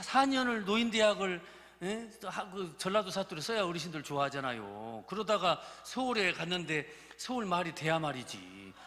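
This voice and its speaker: His voice on the high side, bright and forceful, a man in his fifties gives his congregation a folksy sermon laced with jokes. He's a pastor from Gurye, South Jeolla, speaking with a Jeolla Korean accent in a reverberant church sanctuary.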